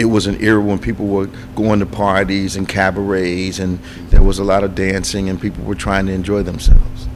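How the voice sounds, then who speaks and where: A man with an American accent speaks fairly quickly at a fairly low pitch. His intonation is monotone and flat, over noticeable background noise. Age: 70s. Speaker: pastor and radio talk show host. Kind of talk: radio talk show discussion.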